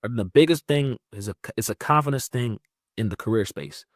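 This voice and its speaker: Young man in his twenties, loose and chatty, filler-heavy delivery, middle pitch, dead-dry recording. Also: fairly quick, no room sound. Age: 20s. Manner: rambling, heavy use of "like", lively pitch jumps. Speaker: guest. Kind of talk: casual interview chat.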